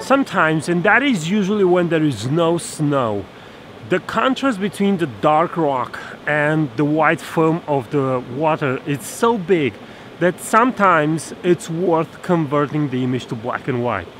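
Man teaching by a rushing stream. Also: fairly high pitch, lively intonation, fairly bright tone, poor audio. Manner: explains step by step with fillers and restarts. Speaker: photography instructor. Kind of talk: outdoor tutorial to camera. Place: snowy forest stream outdoors. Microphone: camera held at arm's length. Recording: outdoor recording with stream noise. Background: rushing stream water.

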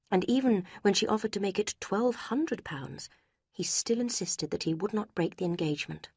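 A pompous, self-important gentleman from a storybook reading, put on by a woman narrator. He talks gravely in a lowered, breathy half-whisper. The sound is husky and dry. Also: dry recording. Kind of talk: audiobook character reading.

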